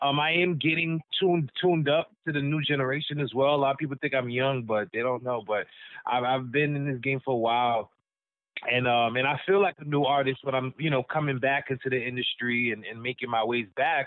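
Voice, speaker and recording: Talking at a fairly quick pace, a man with a New York accent speaks at medium pitch with ordinary pitch variation. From Brooklyn, New York (Flatbush), early years in the Caribbean. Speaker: rapper. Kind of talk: interview. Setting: phone call.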